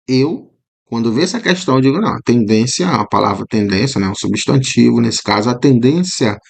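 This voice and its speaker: A Brazilian man with a Brazilian Portuguese accent, a teacher going through exam questions, often checking in with "né?" and repeating words slowly to show how they sound. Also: medium pitch, animated, gravelly, husky. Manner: explanatory, frequent "né?" tags, repeats words slowly to model pronunciation. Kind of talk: commented exam walkthrough.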